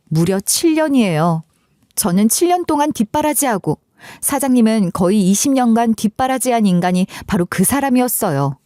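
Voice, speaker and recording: Woman telling a story, dramatic and expressive, highish voice, dry close mic. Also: dry recording. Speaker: narrator. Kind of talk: storytelling narration of a submitted story.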